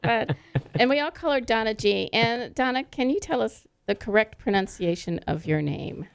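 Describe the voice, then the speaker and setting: A woman's voice: a little high, animated, normal speed, gravelly, clean tone. A woman hosting a radio interview, chatty as she leads the conversation with her guests. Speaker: radio host.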